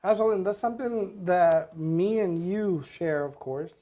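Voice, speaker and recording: A man co-hosting a casual podcast as a real estate agent, relaxed and chatty with many fillers. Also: high-pitched, moderate pace, highs cut off. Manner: relaxed, repeats himself, filler-heavy.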